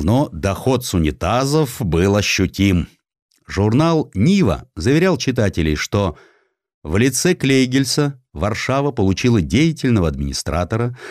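Expressive male narrator, swooping intonation. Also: on the low side, dry recording, studio quality. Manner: ironic, theatrical, expressive. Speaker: audiobook narrator. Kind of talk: dramatized scripted narration of historical satire.

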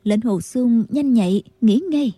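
A woman narrating a martial-arts novel as an audiobook, in a steady storytelling manner. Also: fairly high pitch, a little slow, dry recording.

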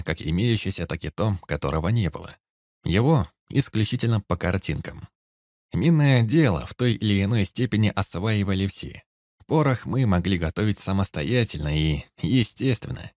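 A man reading a first-person story aloud in a steady, grave narrating manner. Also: deep voice, dry recording, clean studio sound. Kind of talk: audiobook narration.

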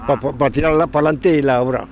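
A man's voice: medium pitch, fairly quick, a little mellow. An older man reminiscing casually, hesitating and repeating himself as he searches for words. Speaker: interviewee.

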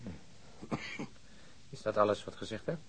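A man playing a calm police investigator in a radio drama, asking patient, probing questions. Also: on the low side, normal speed, a little hiss or hum. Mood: calm, attentive. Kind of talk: naturalistic radio drama acting.

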